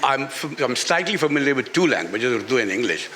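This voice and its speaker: A middle-aged Pakistani-accented man, an author on a festival panel, answers candidly at a live literary session in a garden. His mid-range, fairly bright voice has a sing-song lilt and moves a little fast, and he repeats phrases emphatically for stress. Background noise from the live event is audible.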